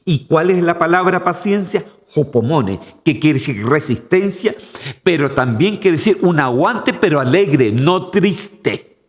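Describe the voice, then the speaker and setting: A man's voice: a little high, lively intonation, a little slow. A male pastor preaching a sermon, emphatic and direct, often calling his listeners "brother". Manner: emphatic, addresses the congregation as "hermano". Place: church. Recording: long church reverb.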